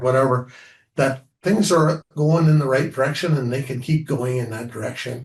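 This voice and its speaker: A man with a Canadian prairie accent, somewhat breathy, medium in pitch, with fairly even intonation. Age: 60s. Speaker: rural municipality reeve. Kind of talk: interview. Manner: halting, with many repeated words.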